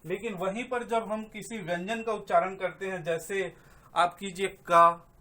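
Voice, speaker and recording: A man's voice: high voice, fairly even intonation, normal speed. A young man teaching an online grammar lesson, who asks and answers his own questions, repeats key terms and draws out sounds to demonstrate them. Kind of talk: online classroom lecture.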